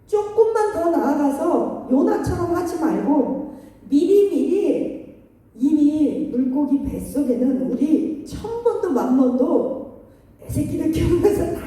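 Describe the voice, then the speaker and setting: A middle-aged woman preaching a lively sermon, telling stories animatedly, acting out voices and laughing often. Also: high voice. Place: church sanctuary. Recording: echoey hall from far off.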